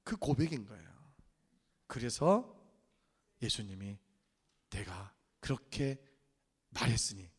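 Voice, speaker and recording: A male pastor preaching a sermon, animated and acting out the voices he quotes. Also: medium pitch, slow, long pauses, breathy edge. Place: church sanctuary. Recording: church hall with long reverb.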